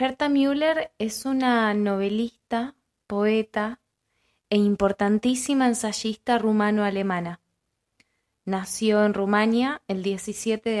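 A woman with a normal speaking voice and a medium pitch talks at a fairly slow pace, the sound dry and close with no echo. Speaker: narrator. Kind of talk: spoken introduction to a reading.

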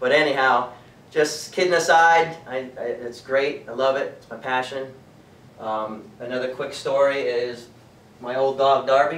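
Room echo can be heard around a man's voice. His intonation stays fairly even. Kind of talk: casual self-introduction storytelling. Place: home room. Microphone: camera far.

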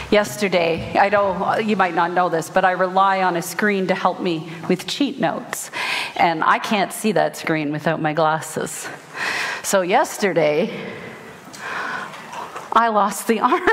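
There is light background noise as a woman speaks at a fairly slow pace. She pauses long and often, and her pitch varies in an ordinary way. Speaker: pastor. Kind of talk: sermon. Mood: light, self-mocking, laughing. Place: church.

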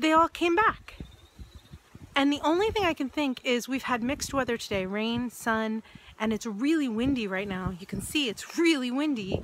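Her high voice swings very widely in pitch at a moderate pace. The woman's sound is dry with no echo, with light background noise. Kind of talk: casual vlog chat. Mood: puzzled, amazed. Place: garden. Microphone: phone near.

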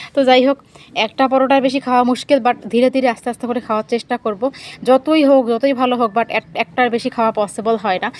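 With a dry, close sound and no echo, a woman speaks in a high pitch with fairly even intonation. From Bangladesh. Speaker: food vlogger. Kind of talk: casual vlog talk to viewers. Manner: eating while talking.

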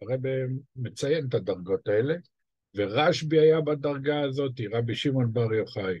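Somewhat breathy, a man talks at a moderate pace with ordinary pitch variation, the sound dry with no echo and the background quiet. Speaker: religious teacher. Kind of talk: lecture. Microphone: webcam.

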